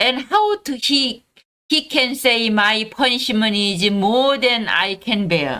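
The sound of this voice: The pitch shifts in an ordinary way as an unforced reading voice comes through over a quiet background.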